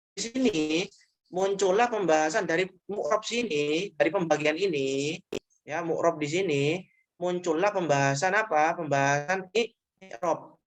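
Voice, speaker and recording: Teaching grammar online, a man patiently goes over each point twice, tacking on brief tags to check understanding. His voice is a little high.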